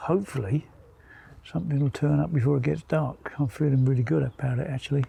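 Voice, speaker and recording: At a fairly quick pace, a man speaks with a dark, mellow, somewhat breathy tone at a medium pitch. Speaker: carp angler vlogger. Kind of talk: casual vlog narration. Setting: outdoors by a lake. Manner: fast.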